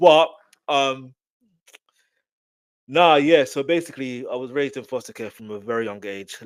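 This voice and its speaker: A man with a London accent, at a medium pitch and a moderate pace, with long, frequent pauses, ordinary pitch variation and big swings in loudness, on a very clean recording with a silent background. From South London. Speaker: podcast host. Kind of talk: casual monologue.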